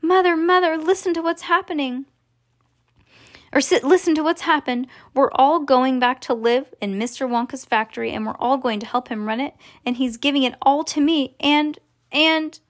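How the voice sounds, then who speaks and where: A woman voicing an earnest, excitable little boy in a children's storybook, with a pleading manner. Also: medium pitch, fast talker, hardly any pauses, natural voice. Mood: excited, urgent.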